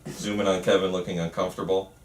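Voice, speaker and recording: A man's voice: low voice, little pitch movement, fast talker. A man narrating script stage directions in an amateur table read. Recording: echoey room, distant mic, faint noise.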